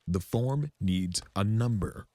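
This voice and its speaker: A man's voice: fairly low pitch, lively intonation, slow, dark tone, no room sound, voice pushed up. A man voicing a timid, flustered male pegasus clerk in a cartoon fan story, hesitant, polite and literal. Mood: nervous. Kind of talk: cartoon fan fiction reading.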